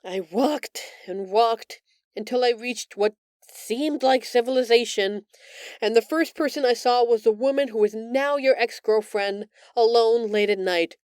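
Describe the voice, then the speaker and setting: A gentle alien woman played by a female voice actor speaks slowly and earnestly in an intimate roleplay monologue. She sounds remorseful and empathetic, hesitating with feeling, in a very dry, close recording. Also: a little high, smooth, no room sound, close to an everyday voice. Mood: wistful. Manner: earnest, hesitant, emotional, with sighs and pauses.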